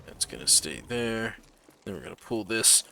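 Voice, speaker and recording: A man's voice: lowish voice, big pitch swings, moderate pace, creaky, sharp tone, a little hiss or hum, poor audio. A man giving casual, playful commentary as he hosts a gaming video.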